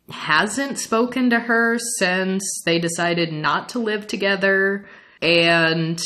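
A young adult woman from the Midwestern United States, chatting casually as a podcast co-host, animated and laughing often. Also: sits low. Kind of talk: casual chat recapping an anime series.

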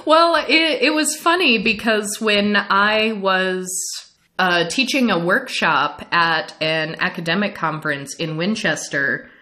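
A young adult woman from the Midwestern United States, chatting casually as a podcast co-host, animated and laughing often. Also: medium pitch, slow pace. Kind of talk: casual chat recapping an anime series.

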